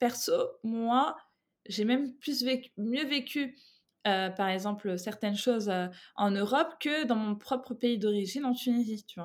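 In a very clean recording with a silent background, a woman speaks with a fairly high pitch and ordinary pitch variation. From Paris, France. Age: 30s. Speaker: digital communication freelancer and traveller. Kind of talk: interview.

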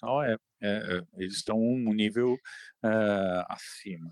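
A man's fairly low voice with a São Paulo accent and fairly even intonation, in a dry, close sound with no echo and a very clean recording with a silent background. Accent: Paulistano Brazilian Portuguese. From Brazil, São Paulo city. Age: 50s. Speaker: travel guide. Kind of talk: interview.

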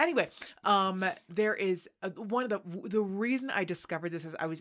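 A woman speaks at a moderate pace with an American accent and lively intonation. The recording is very clean, with a silent background. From Texas. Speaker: film podcast co-host. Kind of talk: casual chat. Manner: animated.

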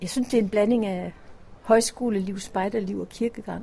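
A woman's somewhat breathy voice at a medium pitch, dark and mellow in tone, with monotone, flat intonation. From Denmark, Ærø. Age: 60s. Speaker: pilgrim pastor. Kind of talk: interview. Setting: airport.

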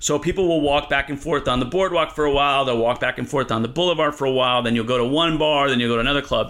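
A man with a New Jersey accent talks at a very fast pace, his medium pitch showing ordinary variation. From New Jersey, Elizabeth. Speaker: comedian. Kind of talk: casual chat.

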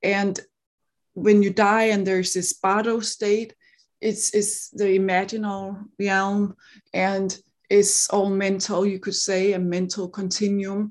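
Speaking very slowly with a Danish accent, a woman holds a medium pitch in a monotone, flat intonation against a quiet background. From Denmark. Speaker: online summit host and interviewer. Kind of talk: interview. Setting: video call.

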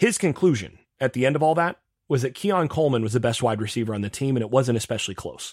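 Very fast and lively in intonation, a man talks at a medium pitch. The recording is very clean, the background silent. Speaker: sports podcast host. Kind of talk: casual solo commentary. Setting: studio. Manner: halting with frequent fillers.

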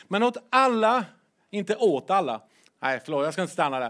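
A man with a high pitch and very wide pitch swings speaks in a very clean recording with a silent background. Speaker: pastor. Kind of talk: sermon. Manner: stammering repetitions.

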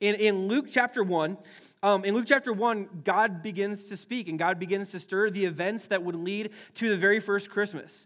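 A man with an Upper Midwest US accent, high-pitched, at a moderate pace with fairly even intonation, on a very clean recording with a silent background. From US Midwest. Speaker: pastor. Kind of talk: sermon. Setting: church. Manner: informal, conversational, repeats words.

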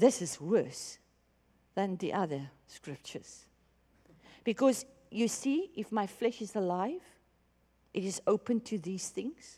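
In a very clean recording with a silent background, a woman with a South African accent talks fairly slowly in a fairly high voice with lively intonation. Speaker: visiting preacher. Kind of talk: sermon. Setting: church.

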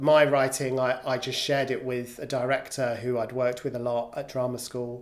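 A man's voice, medium in pitch, moves at a moderate pace. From southeast London (Bromley). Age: 40s. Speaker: screenwriter and playwright. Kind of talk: casual interview.

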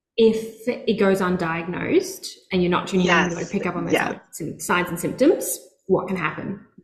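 A woman speaks at a medium pitch and a moderate pace. Her voice is somewhat breathy, with ordinary pitch variation. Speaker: podcast host, nutritionist. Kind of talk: casual chat.

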